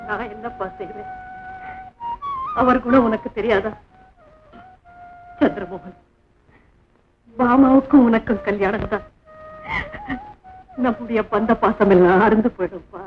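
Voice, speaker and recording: A woman's voice: on the high side, unhurried, long pauses, lightly acted. An actress playing an anxious wealthy mother who pleads with her grown son in an old film. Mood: pleading. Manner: pleading, grieving. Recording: dull old film soundtrack with loud music.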